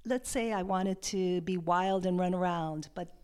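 A woman from Hawaii, a love and sexuality coach, talking in a soft, hesitant and reflective way as an interview guest. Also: fairly low pitch, unhurried, clear, resonant tone. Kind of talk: podcast interview.

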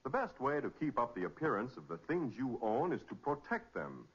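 A man's voice: medium pitch, a bit bright, husky. A man working as an announcer, reading in a polished 1940s radio advertising style. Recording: dull old radio recording.

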